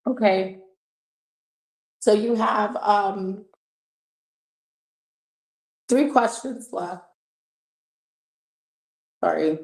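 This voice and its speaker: Slow-talking chatty woman, echoey room. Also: medium pitch, creaky, darkish tone. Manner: chatty storytelling, laughs often. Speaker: tarot reader and livestream host. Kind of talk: casual livestream chat.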